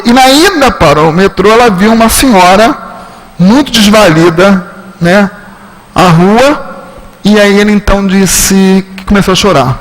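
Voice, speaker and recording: A man with a Rio de Janeiro Portuguese accent giving a spiritist lecture, telling a story and acting out the dialogue. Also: rough recording. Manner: animated storytelling, acts out dialogue with shifting pitch. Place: spiritist centre lecture hall.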